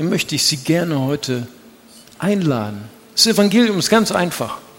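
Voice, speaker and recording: Against noticeable background noise, a man speaks at a moderate pace and fairly high pitch with lively intonation. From Brazil. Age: 50s. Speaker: pastor. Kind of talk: sermon.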